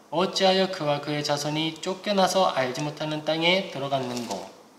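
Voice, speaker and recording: A man's fairly high voice at a moderate pace, with ordinary pitch variation, light background noise and audible room echo. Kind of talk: reading aloud. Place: home room.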